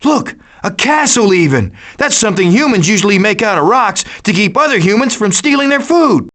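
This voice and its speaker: A cocky raccoon hero from an animated video game. The voice sits high and jumps around animatedly in pitch. The delivery is glib and theatrical, that of a scheming, adventurous wisecracker. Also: male voice, normal speed. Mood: wisecracking.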